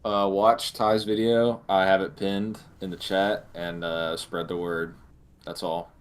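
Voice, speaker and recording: A man's voice: sits low, flat delivery, slow pace. A man co-hosting a podcast, chatting casually in a terse, understated way. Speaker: podcast co-host.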